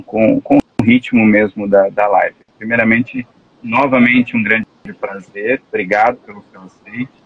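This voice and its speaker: A man's voice: fairly low pitch, vocal fry, phone-quality sound, slight background noise. A man hosting a political live stream interview, talking earnestly and often hesitant, with restarts. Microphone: live stream call.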